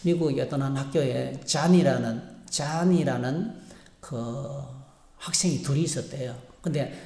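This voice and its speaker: A male pastor preaching a sermon, moving between animated storytelling and quieter reflection, with frequent fillers. His voice is gravelly. The reverberant church sanctuary gives it a roomy sound. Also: medium pitch, measured pace.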